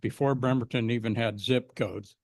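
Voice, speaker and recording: A man's voice: mid-range voice, fairly even intonation, normal speed, a little mellow, no echo, studio quality. A man in his seventies with an American accent, giving an earnest, emphatic prepared speech as a resident at a public meeting. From United States, Pacific Northwest. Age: 70s.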